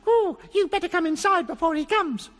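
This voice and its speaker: A man voicing a tiny, cheerful male tree goblin with a squeaky, high voice in a storybook tale. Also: lively intonation, a little fast, a bit bright, big-room sound. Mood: eager.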